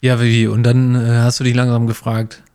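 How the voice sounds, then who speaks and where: A man's voice: mid-range voice, completely flat delivery, normal speed, mellow, clean tone. A man co-hosting a casual podcast, chiming in with teasing jokes. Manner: joking, teasing interjections. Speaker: podcast co-host. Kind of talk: casual chat.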